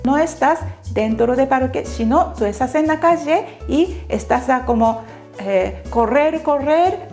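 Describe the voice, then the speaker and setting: A woman's voice: high voice, a little mellow. A woman whose first language is Japanese, teaching a Japanese lesson in Spanish and checking often that her students follow. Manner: slow, careful explanations with frequent "¿vale?" checks.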